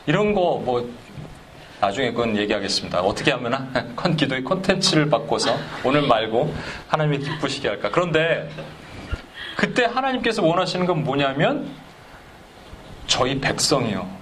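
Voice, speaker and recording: A man preaching to his congregation in a slightly high voice, swinging between soft asides and raised, animated passages as he acts out little conversations. He chuckles through his stories. A faint hiss sits under the recording. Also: poor audio. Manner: chuckles while telling stories. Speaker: pastor. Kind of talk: sermon.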